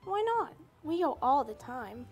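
A woman's voice: high-pitched, animated, measured pace, faint music behind. A woman voicing a small, sweet, lost puppy dog in a puppet show, innocent and childlike.

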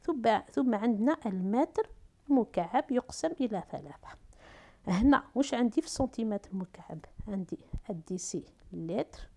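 With a fairly high, dark-toned voice and lively intonation, this woman explains unit conversions at the whiteboard for middle schoolers. She teaches math and physics, has an Algerian Arabic accent, and works slowly step by step, posing her own questions and answering them.

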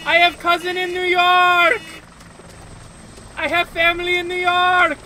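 A man playing an excitable foreign villager in a game, speaking loud broken English. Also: very high voice, a little slow, slight background noise, full character voice, low-quality recording. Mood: pleading. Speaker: game player.

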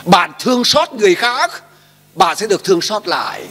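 A man's voice: high voice, sing-song, moderate pace, fairly bright tone, a little hiss or hum. A male pastor preaching a sermon emphatically, posing questions and asking the congregation to repeat after him. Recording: long hall reverb.

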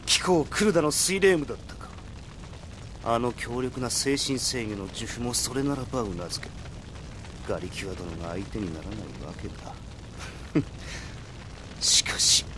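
A man's voice: medium pitch, lively intonation, moderate pace, pauses often, noisy background, natural voice. A man playing a haughty enemy warrior with grandiose, archaic, commanding speech in a radio drama. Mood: coolly impressed. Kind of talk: Japanese anime-style radio drama acting. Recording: loud music behind the voice.

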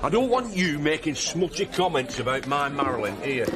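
A man's voice: fairly high pitch, moderate pace, a crowd in the background. A boisterous man in a soap drama, his voice leaping up and down as he jokes. A crowded pub chatters behind him. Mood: cheerful. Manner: boisterous, jokey, lively. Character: boisterous Yorkshire man, proud of his new woman.

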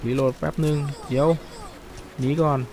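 A man giving casual, chatty commentary while playing a mobile shooter game, reacting loudly to the action. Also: a little high, flat delivery, normal speed, creaky. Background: game music.

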